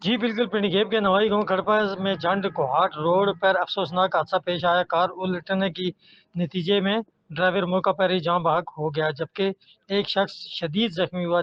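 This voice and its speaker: A man from Pakistan delivering a field news report in a formal, steady manner. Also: high-pitched, no echo. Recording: dry, dull lo-fi report audio.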